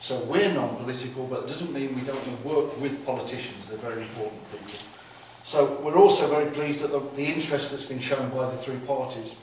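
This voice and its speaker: Over light background noise and audible room echo, a man talks at a very fast pace with fairly even intonation. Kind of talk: meeting chair's opening remarks. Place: hall. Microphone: camera far.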